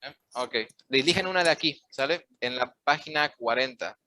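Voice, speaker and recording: A man's voice: mid-range voice, moderate pace, pushed and bright, no echo. A man teaching a language class, explaining grammar points and checking whether students understood. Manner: switches between Spanish explanations and simple classroom English. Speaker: English teacher. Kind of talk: online class instruction.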